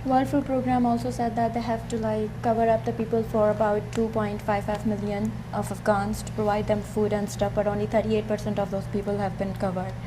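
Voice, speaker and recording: A woman's voice: mid-range voice, flat delivery, fairly quick, few pauses. A young woman from Pakistan, speaking earnestly on a panel and often saying "like" and "stuff". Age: young adult. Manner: earnest, leans on fillers like "like" and "stuff". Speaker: student panelist. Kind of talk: panel discussion. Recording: noisy room recording.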